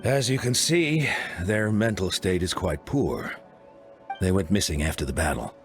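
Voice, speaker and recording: An actor playing a grave, composed tribal leader in a video game, speaking in a formal, measured way. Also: male voice, deep voice, expressive, soft background music. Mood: grave, explanatory. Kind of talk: scripted game voice acting.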